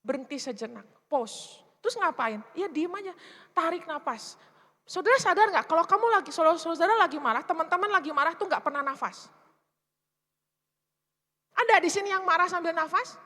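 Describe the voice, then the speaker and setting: Bright high-voiced woman preaching casually. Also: brisk. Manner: lively, chatty, keeps asking the congregation questions. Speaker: church speaker and counselor. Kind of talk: casual conversational sermon. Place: church hall. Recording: reverberant church hall.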